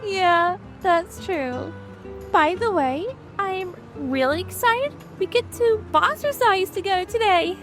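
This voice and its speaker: A woman voicing a friendly, teasing young female cartoon animal with playful, expressive banter in an audio drama. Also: very high voice, slow, soft background music, heavily acted. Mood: friendly, excited.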